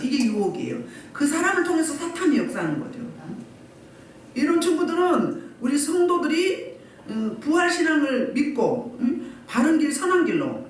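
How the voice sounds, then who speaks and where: A woman pastor with a high-pitched voice delivers a Sunday sermon, repeatedly confronting her congregation with rhetorical questions. The church sanctuary recording is echoey and distant, carrying a little hiss or hum.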